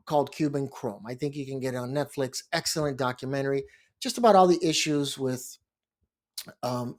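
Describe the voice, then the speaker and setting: Chatty middle-aged man, rather high voice. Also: darkish tone. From Miami, Florida. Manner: chatty, rambling, frequent restarts and asides. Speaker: bankruptcy lawyer and blog host. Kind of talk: casual monologue to camera.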